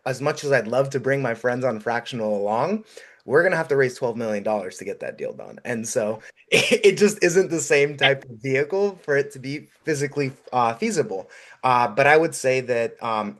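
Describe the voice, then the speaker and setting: A man whose first language is Russian, speaking at a middle pitch. He gives upbeat, encouraging advice with plenty of "um"s along the way. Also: moderate pace. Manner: energetic, encouraging, many "um"s. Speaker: guest investor. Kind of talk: podcast call-in advice.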